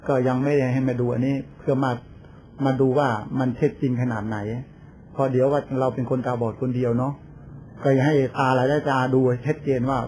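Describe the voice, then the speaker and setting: Here an elderly Thai monk preaches informally, narrating in a chatty style, laughing and mimicking others' lines. His mid-range voice is darkish and a little fast, with little pitch movement, and some slight background noise is audible.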